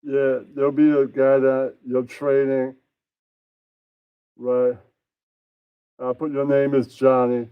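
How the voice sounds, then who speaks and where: A man's voice: medium pitch, completely flat delivery, slow, pauses often, smooth, dry recording, narrow, tinny audio, lightly acted. Man playing a smug rambling puppet mob boss. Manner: rambling, self-satisfied catchphrases. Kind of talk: improvised amateur puppet comedy.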